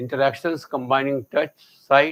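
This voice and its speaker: A man with an Indian accent, fairly high pitch and a fairly quick pace, on a very clean recording with a silent background and a dry, close sound with no echo. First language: Hindi. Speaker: professor. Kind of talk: lecture. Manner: fast.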